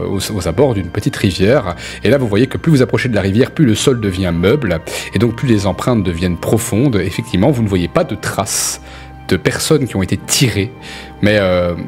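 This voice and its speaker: Low-voiced man as game master. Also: a little mellow. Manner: informal, colloquial. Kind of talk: improvised tabletop game narration. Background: background music.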